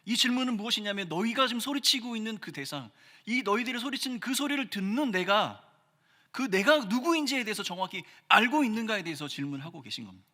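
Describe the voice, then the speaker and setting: A man preaching a sermon as pastor, earnest, pressing hard on key phrases and then dropping his voice low. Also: expressive, quick pace, sharp tone. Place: church sanctuary. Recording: church hall reverb.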